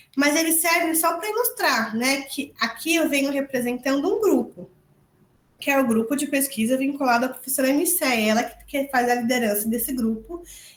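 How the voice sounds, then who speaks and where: A woman talks at a moderate pace with lively intonation and a high pitch. Audible room echo surrounds her voice. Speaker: education professor, lecturer. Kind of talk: online lecture. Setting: video call webinar.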